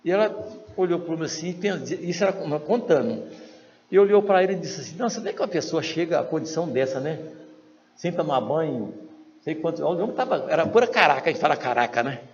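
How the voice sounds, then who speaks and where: A Brazilian man giving a spiritist lecture, telling a story and acting out the voices in it. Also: fast talker. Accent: Brazilian Portuguese. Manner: acts out quoted dialogue with lively shifts in pitch. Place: large lecture hall. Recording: lo-fi hall recording with faint noise.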